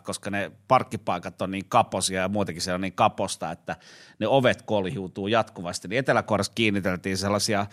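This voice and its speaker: Lower-voiced man, animated and laughing. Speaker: podcast co-host, parent. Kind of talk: casual chat.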